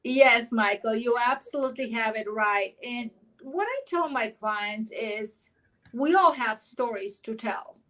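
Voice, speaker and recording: A woman's voice: fairly high pitch, unhurried, a bit bright. A middle-aged woman from Bulgaria, a guest author and life coach, who tells her personal story with energy and earnestness.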